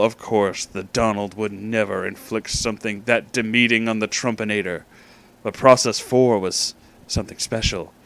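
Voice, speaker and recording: A man's voice: mid-range voice, fairly bright tone. Man reading a satirical story aloud. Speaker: reader of a comic story.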